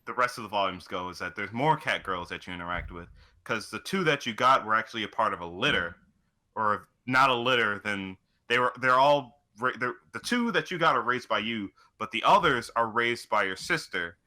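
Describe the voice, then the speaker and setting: A young man with a fairly low but strikingly bright, forceful voice. He talks off the cuff as a co-host in a casual gaming chat. His manner is crude and sweary. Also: lively intonation, fairly quick. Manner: crude, profane joking.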